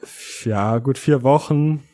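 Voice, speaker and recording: Casual man with a mid-pitched voice. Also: slow pace, warm tone. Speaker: podcast co-host. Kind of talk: casual chat.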